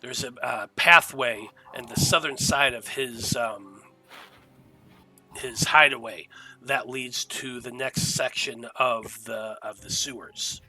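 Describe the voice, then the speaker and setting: A man narrating a tabletop game as game master, describing scenes in a halting, measured way. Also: mid-range voice, pushed and bright, soft background music, poor audio.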